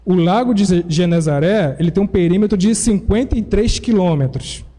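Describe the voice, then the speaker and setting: High-voiced Brazilian man preaching in a church. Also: normal speed, warm tone. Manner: explanatory, teacherly, with self-corrections. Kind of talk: sermon. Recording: long reverb of a church hall.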